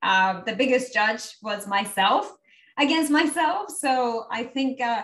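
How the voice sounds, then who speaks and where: A woman's high voice, full of lively intonation, unfolds at a very slow pace. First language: not English. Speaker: wellness consultant, former process engineer. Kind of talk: interview.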